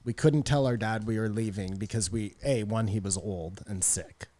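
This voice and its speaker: A man's voice: fairly low pitch, moderate pace, dark tone. A man co-hosting a podcast in a casual discussion, informal and given to swearing. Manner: informal, profane. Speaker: podcast co-host.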